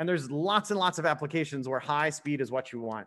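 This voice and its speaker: A man's fairly high-pitched voice comes over a quiet background. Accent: Midwestern American. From US Midwest (Ohio). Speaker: instructor. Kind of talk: lecture. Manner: casual, conversational.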